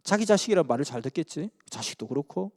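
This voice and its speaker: A man's voice: a little high, very animated, fast, darkish tone. A man from Busan, earnestly telling a story in a sermon. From Busan, South Korea. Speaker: preacher. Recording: long hall reverb.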